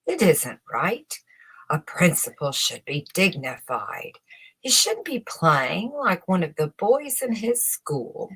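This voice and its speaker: A woman's voice: fairly low pitch, very animated, slow pace, fairly bright tone, husky, full character voice, low-quality recording. A woman voicing disapproving townspeople in a storybook, prim and indignant. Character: disapproving townspeople scolding an undignified school principal.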